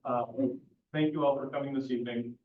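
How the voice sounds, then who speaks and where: A man acting as mayor, opening a public council meeting. He talks slowly and projects his voice without yelling, with no microphone in a meeting room. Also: medium pitch, fairly even intonation, a little hiss or hum. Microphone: no microphone, picked up from a distance. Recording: echoey, distant, dull sound.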